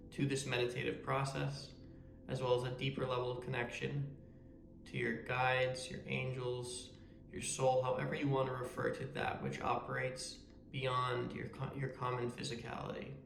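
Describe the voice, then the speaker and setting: A man guides a meditation with a soothing, measured delivery. His mid-pitched voice stays very even and carries a gravelly creak. There is a noticeable roomy echo around him as he speaks. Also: a little hiss or hum. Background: meditation music.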